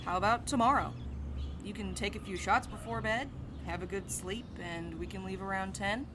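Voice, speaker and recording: A woman's voice: medium pitch, moderate pace, noisy background, natural voice. A woman playing a blunt, bantering mail carrier who is bad with feelings, in an audio drama. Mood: breezy, teasing. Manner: blunt, casual, teasing. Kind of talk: naturalistic audio drama dialogue.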